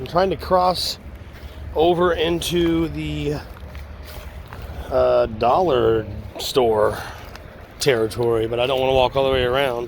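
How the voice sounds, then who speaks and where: A man speaks with long, frequent pauses and very wide pitch swings over noticeable background noise. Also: medium pitch for a man, fairly slow pace. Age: 70s. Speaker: vlogger. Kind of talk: casual vlog monologue. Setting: outdoors.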